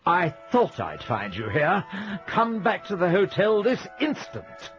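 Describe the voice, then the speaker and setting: Blustering pompous old dad, high-ish and all over the place, muffled radio. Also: male voice, wildly swooping pitch, unhurried, soft background music, full character voice. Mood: indignant. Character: indignant older father, pompous gentleman. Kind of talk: radio drama acting. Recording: slightly muffled radio recording.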